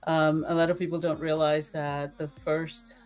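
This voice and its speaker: A woman from the Dominican Republic whose first language is Spanish, talking as a podcast guest in an animated, earnest way and laughing often. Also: low voice, moderate pace, soft background music, rough recording. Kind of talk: casual interview conversation.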